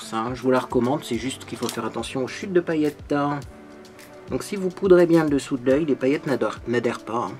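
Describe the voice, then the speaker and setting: A man with a mid-range voice and a darkish tone hosts a makeup tutorial as a beauty vlogger. His delivery is bubbly and chatty, dotted with the filler "hein."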